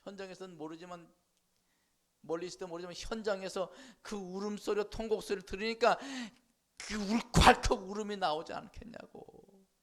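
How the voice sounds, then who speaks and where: A man's voice: sits high, brisk. A male pastor giving a sermon in church, prodding the congregation for responses and acting out the voices in the story. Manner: animated preaching, asks the congregation for responses, acts out voices.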